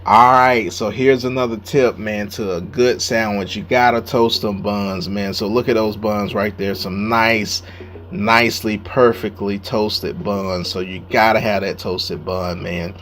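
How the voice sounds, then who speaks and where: A man hosting a casual cooking video, relaxed and chatty, tacking "man" onto most of his sentences. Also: on the low side, unhurried, a little hiss or hum. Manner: laid-back, says "man" constantly. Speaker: cooking channel host.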